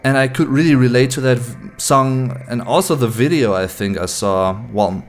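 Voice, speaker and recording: A German-accented man in his late twenties talks casually to his viewers in English. His voice sits in an ordinary middle pitch. He chats along loosely, slipping German words in between. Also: moderate pace, soft background music. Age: late 20s. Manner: chatty, mixes in German words. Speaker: YouTube host. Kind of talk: casual chat to camera.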